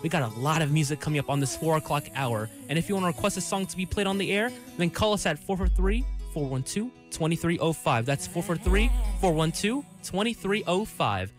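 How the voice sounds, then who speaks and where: A young man presents a music radio show in a fairly high voice. He talks as the on-air DJ, close on a studio microphone, with some music playing behind him. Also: lively intonation, brisk, few pauses. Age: young adult. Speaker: radio DJ and host. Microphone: broadcast studio microphone on a boom arm.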